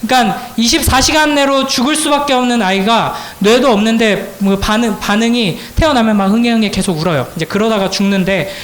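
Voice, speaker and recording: A youth pastor giving a sermon to high school students, telling a story and then preaching with growing fervor. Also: male voice, fairly quick, few pauses, a bit bright, reverberant. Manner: storytelling, rising to fervent preaching. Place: church worship hall.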